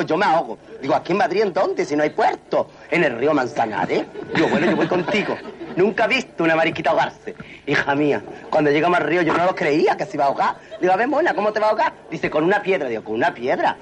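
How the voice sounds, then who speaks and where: A man's voice: a little high, big pitch swings, fast. An actor playing a flamboyant male cabaret entertainer telling a camp joke on stage in a 1970s film. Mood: camp joking. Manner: camp, theatrical, laughing storyteller.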